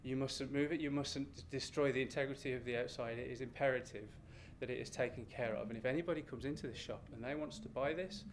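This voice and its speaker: A man's voice: mid-range voice, natural voice. Man acting out a frail, pleading old British man. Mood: anxious, pleading. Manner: pleading, halting, fussy. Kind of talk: acted quote within live storytelling. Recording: noisy live venue recording.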